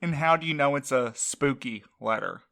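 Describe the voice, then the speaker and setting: A woman's voice: extremely low pitch, normal speed, gravelly, fairly bright tone, heavily acted. A woman voicing a blunt, sardonic widowed courier in an audio drama. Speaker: night courier.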